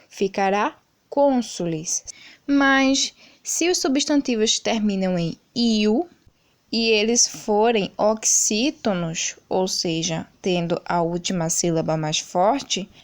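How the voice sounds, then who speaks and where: Woman, Brazilian accent, teacher, video lesson, slow unhurried pace, patient explaining. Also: medium pitch. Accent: Brazilian Portuguese. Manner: slow, patient explaining with frequent "certo?" checks. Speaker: school teacher.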